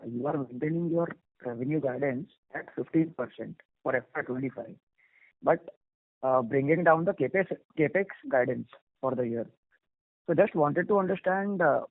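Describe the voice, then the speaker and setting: A dry, muffled phone line carries a slightly high male voice. He sounds like an analyst on an earnings call, putting prepared questions politely and plainly. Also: dry recording. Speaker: investment analyst asking questions.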